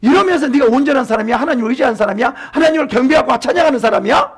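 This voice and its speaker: A man acting out a lecturing friend, impatient, rapid-fire questions, very husky. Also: very high-pitched, lively intonation, pitched above the performer's own voice, heavily acted. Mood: scolding. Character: self-righteous male friend scolding a sufferer.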